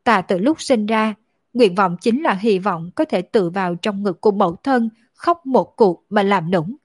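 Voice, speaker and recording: A woman's voice: medium pitch, husky, dry recording, studio quality, close to an everyday voice. A woman reading as a grieving orphan girl. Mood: sorrowful. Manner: slow, grieving, choked delivery. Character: lonely orphaned young woman, sorrowful and tearful.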